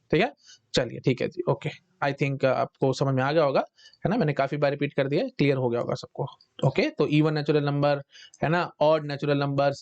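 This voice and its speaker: A man teaching a recorded math lecture in mixed Hindi and English. He keeps checking in with his students and dictates definitions slowly, word by word. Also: on the high side. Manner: repetitive, checks in with "है ना?" and "ठीक है". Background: dogs barking outside.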